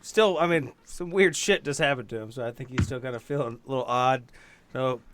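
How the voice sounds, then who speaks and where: A man's voice: mid-range voice, brisk, slight background noise. A man playing in a tabletop podcast, improvising casually in a wry, folksy, hesitant way as he narrates his character. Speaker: tabletop game player on a podcast.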